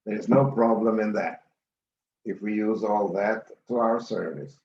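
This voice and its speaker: A man giving a halting, measured presentation on an online panel, heard over a video call. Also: on the low side, darkish tone, a little hiss or hum. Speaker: panel speaker. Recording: dull roomy video-call audio.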